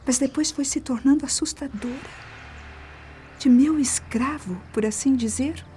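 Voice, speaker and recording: An actress playing a vain, tormented young mistress confessing in a Brazilian radio drama, dramatic and breathy, with a Brazilian accent. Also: female voice, on the high side, warm tone, close to an everyday voice. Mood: uneasy, bitter.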